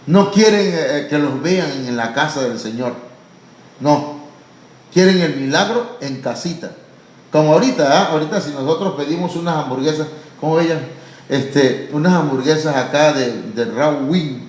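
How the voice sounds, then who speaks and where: Fervent pastor in echoey church. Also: male voice, a little high. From Mexico. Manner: fervent, repeatedly calling listeners "hermano"; rises to loud, drawn-out cries when acting out pleas. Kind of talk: sermon.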